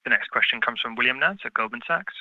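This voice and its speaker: A man's voice: medium pitch, lively intonation, quick pace, dry recording. A man working as a conference call operator, formally announcing the next caller. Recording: dull, dry phone-call audio.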